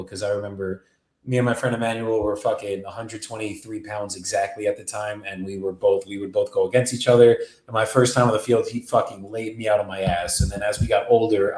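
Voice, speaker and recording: Young male host, mid pitch, loose rambling delivery, lots of cursing, roomy echo. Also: darkish tone. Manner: rambling, heavy swearing and fillers. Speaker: podcast host. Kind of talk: casual personal storytelling. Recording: echoey room.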